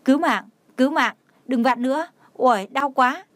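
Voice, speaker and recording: A man's voice: extremely high pitch, normal speed, no echo. A woman voicing a playful young man who yelps and pleads when hurt, in a dry recording. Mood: pained pleading.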